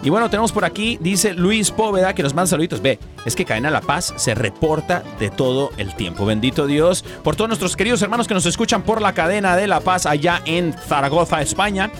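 A man's voice: sits high, expressive, fairly quick, hardly any pauses, music in the background. A man hosting a faith radio show, telling jokes playfully and addressing listeners like a preacher. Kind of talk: joking casual radio chat.

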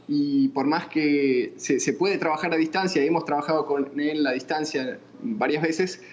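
A man's voice: on the high side, highs cut off. A man from Argentina with an Argentine accent, a musician guest answering thoughtfully with many restarts. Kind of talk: interview answers.

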